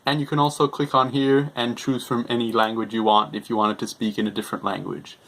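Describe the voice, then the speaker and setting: A young man presents a software tutorial as its host. His voice sits at a middle pitch, and he explains things step by step in simple, repetitive language. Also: flat delivery, a little fast. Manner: simple, repetitive explaining, refers to himself in third person.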